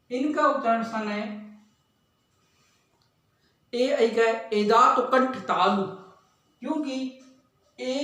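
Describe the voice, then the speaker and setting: A man teaching an exam-prep lesson, slowly drilling speech sounds one by one. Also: very high-pitched, fairly bright tone. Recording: echoey room, far from mic.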